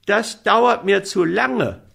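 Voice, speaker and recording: A man voicing a greedy little boy who keeps shouting for more, in a storybook reading. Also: slow, gravelly, breathy edge, heavily acted. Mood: demanding. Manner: shrill, insistent shouting. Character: demanding little boy in a rolling bed.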